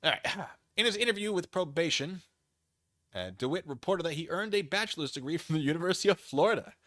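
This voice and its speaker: An easily excited American man, an online streamer, reads a formal document with theatrical flair in a fast, high-leaning voice with a bright, forceful tone and swooping delivery. Wry, casual digressions break in along the way, and the sound is close and dry with no room sound.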